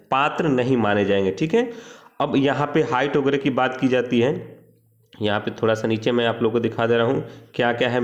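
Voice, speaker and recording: A man giving an informal instructional walkthrough as a coaching teacher, reading out details and commenting, with frequent check-in tags. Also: mid-range voice. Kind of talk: informal explainer of a job notice, reading and commenting.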